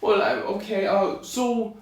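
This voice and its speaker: A man's voice: sits high, steady tone, measured pace, vocal fry, voice pushed up. A man voicing a small, plucky but hesitant fairy-tale tailor who falters and sounds unsure. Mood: nervous, hesitant. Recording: roomy echo, distant microphone.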